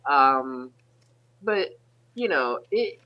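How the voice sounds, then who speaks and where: A teenage man hosting a casual podcast chat, rambling with halting restarts. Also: mid-range voice, expressive, highs cut off. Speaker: podcast host.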